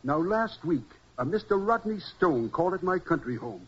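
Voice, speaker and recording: An anxious, courteous gentleman in an old radio mystery. His voice is very husky and pitched fairly high, with fussy, formal, hesitant phrasing. It comes through a muffled 1940s recording. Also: very animated, moderate pace, exaggerated voice. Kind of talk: 1940s radio drama acting.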